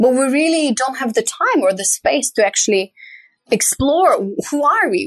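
In dry, close sound with no echo, a woman speaks at a moderate pace with very wide pitch swings. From Moldova. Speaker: podcast host being interviewed. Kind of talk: interview, personal storytelling.

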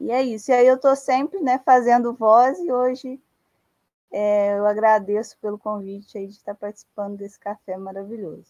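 A woman speaks at a fairly high pitch with a dark, mellow tone and fairly even intonation. Her pace is moderate, and the sound is dry and close with no echo. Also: big swings in loudness. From Juiz de Fora, Minas Gerais, Brazil. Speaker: sign language interpreter. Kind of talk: religious study discussion. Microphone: unstable internet connection.

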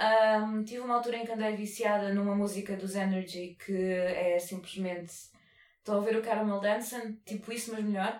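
A woman speaks with a European Portuguese accent at a medium pitch. Her pace is moderate and her intonation flat and monotone. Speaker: podcast co-host. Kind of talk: casual chat.

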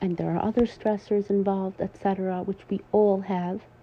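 A woman talks at a moderate pace. Hers is an unremarkable speaking voice, pitched in the medium range. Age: 30s. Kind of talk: personal spiritual monologue.

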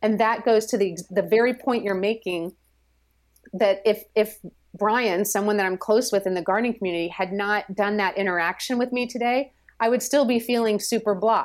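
A woman's normal speaking voice with an American accent, fairly high in pitch, fairly even in intonation, at a moderate pace. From US South, Georgia. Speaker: gardener, podcast guest. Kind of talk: casual chat. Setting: video call.

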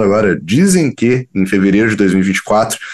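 A man speaks at a fairly low pitch. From southern Brazil, Rio Grande do Sul (São Leopoldo). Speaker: YouTuber. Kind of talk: interview. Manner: halting, many repetitions.

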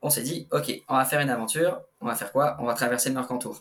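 A man with a medium-pitched voice talks at a very fast pace in a bright, sharp tone. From French Alps (Hautes-Alpes). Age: 30s. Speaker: trail runner. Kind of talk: interview. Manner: halting, many fillers.

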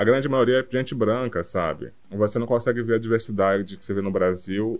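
A man with a plain, everyday voice, medium in pitch and ordinary in pitch variation. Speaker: podcast co-host, data professional. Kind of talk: casual chat.

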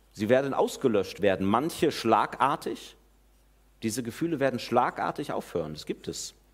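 A man's voice with vocal fry and big swings in loudness, in a very clean recording with a silent background. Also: medium pitch for a man, moderate pace. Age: 30s. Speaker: pastor. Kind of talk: sermon.

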